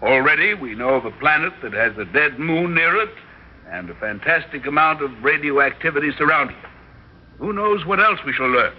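A man's voice: a little high, expressive, normal speed, close to an everyday voice. A man playing an assured professor. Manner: assured, explanatory. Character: confident male professor explaining a discovery. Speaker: scientist. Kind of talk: vintage radio drama. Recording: dull old radio recording with faint noise.

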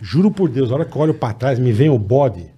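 A man with a Brazilian accent telling a wild party story in casual chat, animated and profane. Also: mid-range voice, quick pace, slightly rough. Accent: Brazilian Portuguese.

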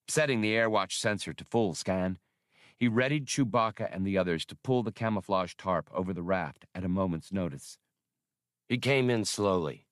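A man with a fairly low voice narrates an adventure novel as an audiobook reader. The recording is dry and close, with very little room around the voice. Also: no room sound.

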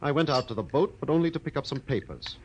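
In a noisy vintage 1940s radio drama broadcast, an actor plays an anxious, fussy male cosmetics businessman with a wheezy, coughing smoker's voice. He explains things nervously and urgently, fussily polite, speaking quickly at a fairly high pitch with lively intonation and a natural-sounding voice.

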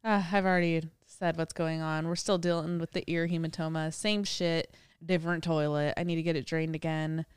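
Casual woman co-host, filler-heavy home chat, crisp dry tone. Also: sits low, steady tone, brisk, dry recording. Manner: chatty, heavy use of "like". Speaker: podcast co-host. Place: home living room with dog nearby.

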